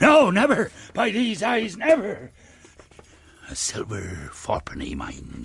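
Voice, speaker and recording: A man speaks slowly in a gruff, high-pitched put-on character voice, leaving long, frequent pauses. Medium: audio drama. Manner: gruff, commanding, sea slang.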